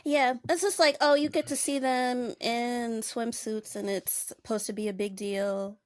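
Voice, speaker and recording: A woman chatting casually on a podcast, lively and quick to mimic other people. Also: a little high, no room sound. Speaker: guest co-host.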